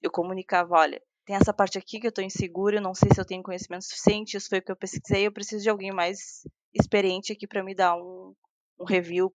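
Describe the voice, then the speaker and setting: A woman of mid pitch tells her story in a loose, chatty way, often restarting sentences. Her voice sits close and dry, with no room sound around it. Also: little pitch movement, fast talker, no echo. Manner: chatty, frequent restarts and fillers, laughs while talking. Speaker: guest software engineer. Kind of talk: casual interview talk.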